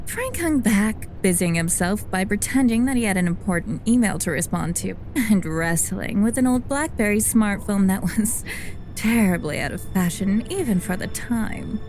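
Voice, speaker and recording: A woman playing a dry, clinically amused senior scientist, narrating an audio drama in an articulate, deadpan way. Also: mid-range voice, moderate pace, faint music behind, natural voice. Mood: wry, measured. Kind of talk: scripted first-person audio drama narration.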